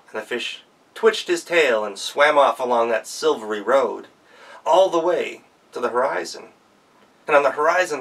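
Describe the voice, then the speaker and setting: A male professional storyteller telling a folktale in a gentle, rhythmic way with pauses. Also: on the high side, far from the mic, poor audio.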